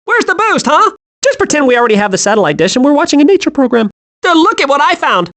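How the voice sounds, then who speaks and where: Hyperactive high-pitched cartoon squirrel. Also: male voice, fast talker, heavily acted. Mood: cheerful, naive. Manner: excitable, naive, wide-eyed. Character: hyperactive, childlike, scatterbrained young male squirrel. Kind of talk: animated video game voice acting.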